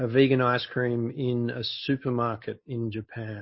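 This man has an Australian accent. His pace is fairly slow. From Australia, Melbourne. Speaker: podcast co-host. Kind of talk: casual chat. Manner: hesitant, many fillers and repeats.

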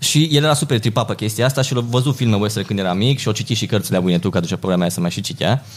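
A man talks at a very fast pace in a somewhat breathy voice, with hardly any pauses. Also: medium pitch for a man, ordinary pitch variation. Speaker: stand-up comedian. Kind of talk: casual chat.

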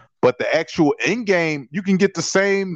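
A man's voice, dry and close with no echo, against a quiet background. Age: 40s. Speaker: sports league commissioner and interview guest. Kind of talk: casual chat.

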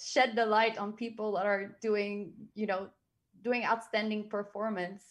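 Against a quiet background, a woman speaks at a fairly high pitch. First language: French. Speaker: business professional, client manager. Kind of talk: casual live interview. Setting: live online stream.

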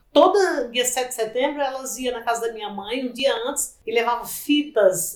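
This woman speaks in a high voice with lively intonation over noticeable background noise. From Ceará backcountry, Brazil. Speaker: podcast host's mother, storyteller. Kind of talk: personal life story interview.

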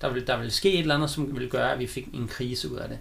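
A man with vocal fry at a fairly quick pace. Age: 40s. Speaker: IT specialist and activist. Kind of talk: casual chat.

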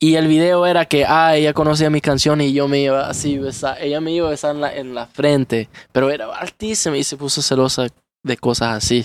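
A fairly quick pace and fairly even intonation in dry, close sound with no echo. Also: man, fairly high pitch for a man, very clean recording, silent background. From Canada, English-speaking side, Venezuelan parents. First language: English (speaking Spanish). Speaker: musician and TikToker. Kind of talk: podcast interview.

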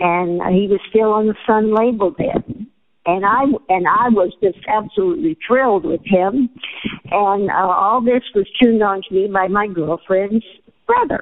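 This woman has a normal speaking voice and an American accent, with medium pitch and ordinary pitch variation. Her pace is fairly slow. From United States. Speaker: podcast host. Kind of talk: casual chat.

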